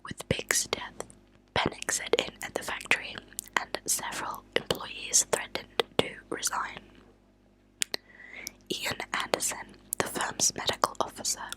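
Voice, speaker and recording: A woman whispering in a breathy, unvoiced voice, reading aloud slowly and softly in an ASMR style. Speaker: ASMR host reading true crime stories aloud. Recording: lo-fi close whispered ASMR recording.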